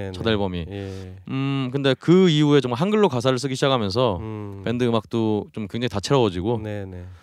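A normal speaking voice moves at a fairly quick pace with lively intonation. The recording is very clean and dry, close, with no echo and a silent background. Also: man. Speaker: radio host. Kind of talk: casual chat. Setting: studio.

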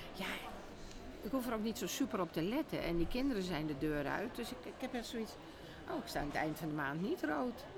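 A woman's medium-pitched voice at a moderate pace, with very wide pitch swings, long, frequent pauses and noticeable background noise. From Netherlands, Texel. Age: 60s. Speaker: film trade magazine publisher. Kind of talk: interview. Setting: bistro at a railway station.

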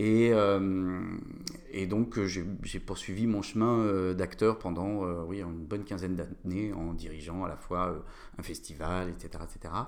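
In a room with audible echo, a man with a very deep, low pitch speaks at a very slow pace and fairly even intonation. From western France, Nantes. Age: 40s. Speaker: book publisher and consultant. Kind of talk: casual interview. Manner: hesitant, many fillers.

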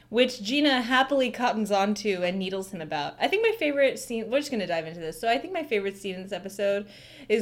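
With an American accent, a woman speaks at a fairly quick pace. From Texas. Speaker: podcast co-host. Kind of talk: casual chat. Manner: frequent laughter.

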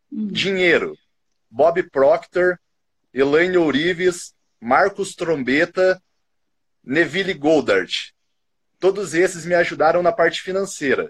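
A man's high-pitched voice at a very slow pace, with long, frequent pauses, ordinary pitch variation and a dry, close sound with no echo. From Curitiba, southern Brazil. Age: 20s. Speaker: caller. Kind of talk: casual chat.

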